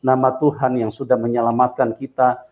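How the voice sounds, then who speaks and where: A man, a pastor and host, calmly asking questions and drawing a spiritual lesson. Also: medium pitch, a little fast. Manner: calm, affirming with frequent murmurs. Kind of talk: interview and short preaching. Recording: slightly dull lo-fi sound.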